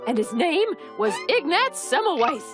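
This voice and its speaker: A woman voicing a warm, chuckling grandmother who tells stories in a children's cartoon. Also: sits high, very animated, normal speed. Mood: fond. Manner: laughing, storytelling. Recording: studio voice with music bed.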